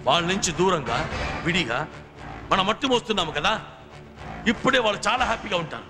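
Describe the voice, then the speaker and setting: A man's voice: high-pitched, lively intonation, a little fast, sharp tone. An actor playing an emotional reformed gang elder and bereaved father in a film drama, speaking in an impassioned, dramatic way. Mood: earnest. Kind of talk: Telugu action film drama acting. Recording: film soundtrack with music behind.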